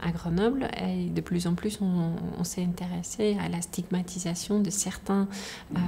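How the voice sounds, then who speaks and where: A woman, answering interview questions thoughtfully, with many pauses and restarts, in a lecture hall. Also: lowish voice, vocal fry, dark tone, slight background noise. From Netherlands. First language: Dutch. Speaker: conflict transformation researcher. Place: indoor lecture hall with red seats.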